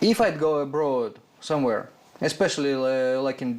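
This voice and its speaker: This man has a fairly high pitch and a Russian accent. Background noise is noticeable. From Ukraine (Soviet Union). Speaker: interviewee. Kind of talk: interview. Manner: halting, many fillers and repetitions.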